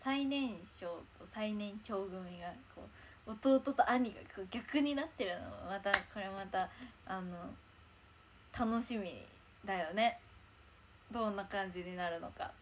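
A woman's voice: medium pitch, measured pace, slight background noise. A young woman chatting casually on a livestream in a bubbly, chatty way, thanking viewers as they arrive. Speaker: idol livestreamer.

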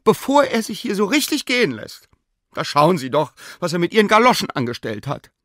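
A shrill young housemaid from an audiobook, scolding and exasperated, her voice pushed far up into a squeaky register as a male reader puts her on. She sounds indignant, loud and close in a dry space. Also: lively intonation, normal speed, no room sound.

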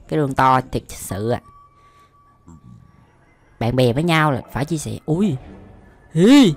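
Southern Vietnamese man doing exclamatory reaction commentary. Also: on the high side. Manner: slangy, frequent exclamations and laughter. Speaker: reaction video host. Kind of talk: casual, exclamatory reaction commentary over animation.

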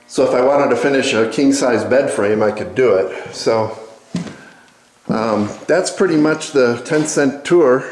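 A man hosting an informal walk-through of his shop, casual and a little halting as he thinks aloud. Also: medium pitch, a little hiss or hum. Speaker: woodworking video host. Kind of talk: informal narrated shop tour. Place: indoor wood workshop. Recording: echoey workshop room.

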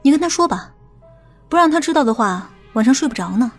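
A woman playing a stern, knowing female investigator in an audiobook, with a brisk, assertive manner. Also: sits high, lively intonation, faint music behind. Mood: sardonic. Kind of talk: audiobook character dialogue.

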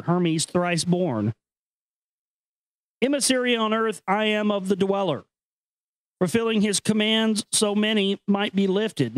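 A man's voice: sits high, dry recording, rough recording. A man hosting a show, moving between dramatic reading and casual, earnest, conspiratorial commentary. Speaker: host reading an ancient text with commentary.

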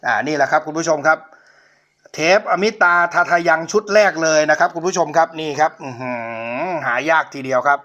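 A man's voice: on the high side, a little fast, bright, forceful tone, highs cut off, soft background music. Polite man demoing an old cassette player. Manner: polite, repeatedly addresses viewers. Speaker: channel host reviewing a cassette player for sale. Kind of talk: casual product demo.

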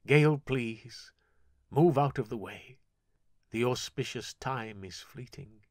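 An earnest young man, heavy with grief, pleads with his sister in a voice close to the reader's own, as a man plays him. His words come slow, even and unhurried, and the recording is dry, with no room sound. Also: medium pitch, no room sound, lightly acted. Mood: gentle. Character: young man, grieving elder brother, earnest.

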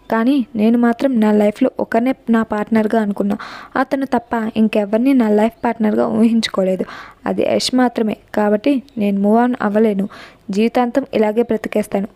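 A woman's voice: fairly high pitch, warm tone, no room sound, close to an everyday voice. A woman voicing a loyal, devoted young heroine in an audio story, speaking earnestly and firmly. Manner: earnest, firm and reproachful.

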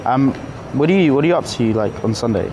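A man's voice: medium pitch, fairly quick, highs cut off, crowd noise. A man in his twenties, a dating coach, talking casually and playfully on a busy city street. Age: 20s. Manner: relaxed, chatty and playful. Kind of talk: street approach vlog with commentary. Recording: traffic noise on a city street.

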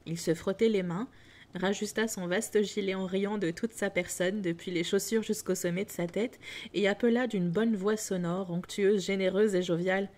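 A woman narrating a classic storybook in a calm, measured reading voice. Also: medium pitch. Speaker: audiobook reader.

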